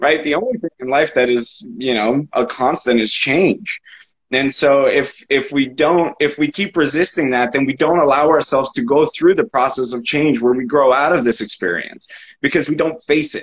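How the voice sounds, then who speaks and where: A man with an ordinary speaking voice talks at a moderate pace, his fairly high pitch showing ordinary variation. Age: 30s. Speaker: acting coach. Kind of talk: casual chat. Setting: video call. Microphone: phone held in hand.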